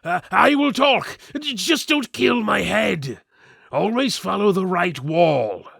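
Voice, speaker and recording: A man's voice: sits high, lively intonation, takes it slowly, gravelly, a bit bright, dry recording, studio quality, voice pushed up, exaggerated voice. A man voicing a cowardly goblin captive in a fantasy story, stammering and pleading. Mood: frightened pleading.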